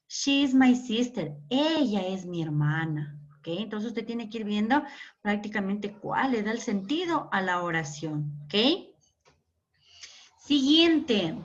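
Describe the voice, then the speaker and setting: A woman English teacher giving a classroom lesson, patient, repeating words and quizzing her pupils. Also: fairly high pitch. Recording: dull lo-fi recording.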